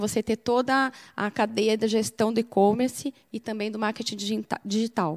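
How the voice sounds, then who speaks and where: A woman has a normal speaking voice at a fairly high pitch. She keeps a moderate pace with fairly even intonation. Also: quiet background. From São Paulo, Brazil. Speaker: marketing professional; TV talk show guest. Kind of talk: interview. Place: studio. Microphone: handheld.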